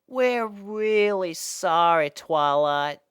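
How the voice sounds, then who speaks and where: A woman's voice: lowish voice, lively intonation, extremely slow, clean tone, no echo, studio quality, pitched above the performer's own voice. A woman voicing a plucky young filly pony, earnest and eager, in a story reading. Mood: apologetic.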